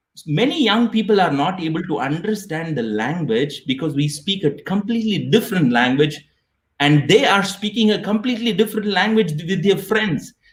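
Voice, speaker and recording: A high-pitched man with an Indian accent, at a moderate pace, with lively intonation. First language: Kannada. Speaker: Franciscan friar and YouTuber musician. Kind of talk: interview. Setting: live online video interview.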